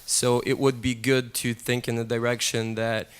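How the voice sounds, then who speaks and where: Man from Serbia, audience question, flat pitch, smooth voice. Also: moderate pace. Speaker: audience member asking questions. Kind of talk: conference Q&A question.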